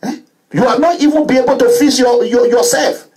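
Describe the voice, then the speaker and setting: A middle-aged man speaks straight to his followers in a high-pitched voice. He hammers his points home over and over and climbs into loud, forceful outbursts. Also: a little fast. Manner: emphatic, repetitive, rising to loud outbursts. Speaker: online commentator. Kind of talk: impassioned monologue to followers.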